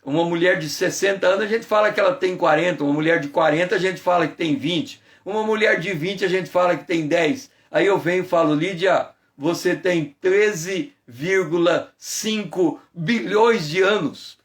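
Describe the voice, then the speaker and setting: Pastor guy with a kinda high voice, chatty morning sermon, jokey, drags out words when he wants em to land. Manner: playful, teasing, chatty, greets viewers by name; slows down and stretches phrases for emphasis. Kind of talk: conversational morning devotional sermon.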